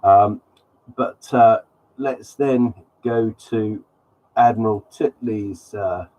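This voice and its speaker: This is casual live commentary on slides from a live stream host who has a cold and sounds sniffly, rambling and saying um a lot. He speaks slowly in a lowish, warm, steady voice, and the recording is low quality.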